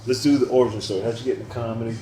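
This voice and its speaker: A man's voice: mid-range voice, little pitch movement, very fast, reverberant, very noisy. A man hosting a casual podcast, joking crudely and teasing his guests. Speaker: podcast host.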